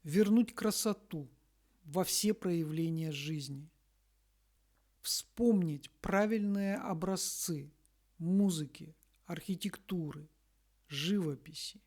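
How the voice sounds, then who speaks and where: A woman reads a scripted spiritual message in a solemn, deliberate manner, pausing between short phrases. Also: lowish voice, dark tone. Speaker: spiritual messenger reading a message.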